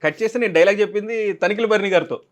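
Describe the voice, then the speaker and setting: A man's voice: sits high, very fast. A man, an actor being interviewed, telling a film-set story animatedly and acting out other people's lines. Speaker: actor guest.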